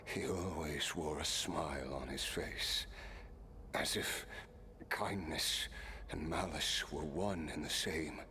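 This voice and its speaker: A man playing a weary, stoic immortal warrior in a video game, speaking in a measured, wry way. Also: extremely low pitch, sharp tone, a little hiss or hum, heavily acted. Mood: wistful, reflective. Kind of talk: scripted game character dialogue.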